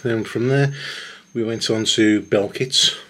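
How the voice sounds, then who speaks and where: A man's voice: fairly low pitch, steady tone, slow, a bit bright. A man with a Black Country accent chatting casually and a little self-consciously in a rambling vlog. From West Midlands, England. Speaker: amateur vlogger, lorry driver. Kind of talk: casual vlog chat to camera. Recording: clear road and vehicle noise.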